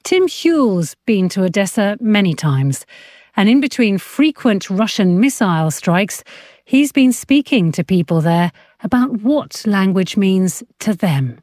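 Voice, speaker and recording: A woman presenting a radio news programme, reading crisp scripted links between reports. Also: medium pitch, sing-song, a little slow, darkish tone, no echo, clean studio sound.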